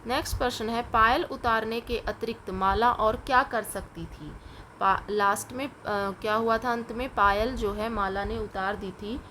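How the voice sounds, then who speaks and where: A woman teacher going through a lesson with children, dictating answers slowly and patiently. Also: fairly high pitch, pushed and bright, slight background noise, poor audio. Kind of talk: online class lesson.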